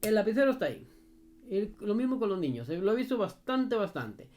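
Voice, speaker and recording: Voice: mid-range voice, very animated, brisk, a little mellow. Dog trainer, casual advice video: direct, emphatic, repetitive, checks in with "ok?". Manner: emphatic and repetitive, often asks "ok?"; talks straight to the viewer in familiar second person.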